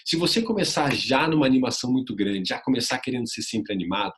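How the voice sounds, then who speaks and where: A man's voice: medium pitch, animated, quick pace, fairly bright tone. A sports reporter, a man with a Brazilian Portuguese accent, gives an earnest online lesson, explaining vocal technique through his own career anecdotes and speaking straight to the viewer. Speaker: sports reporter teaching journalism. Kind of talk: online video lesson, first-person anecdotes.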